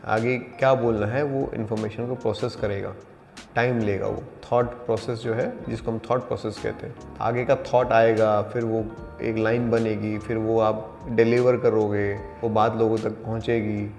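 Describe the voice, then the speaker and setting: A man teaching an acting class, explaining exercises in a calm, deliberate way and mixing in English terms. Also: fairly low pitch, gravelly. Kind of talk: spoken acting lesson. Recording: echoey hall with faint music.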